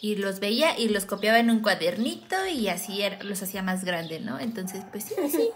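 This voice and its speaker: Woman, Mexican accent, casual podcast chat, animated, faint background noise. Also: medium pitch, moderate pace. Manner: animated storytelling, acts out quoted voices. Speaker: podcast co-host.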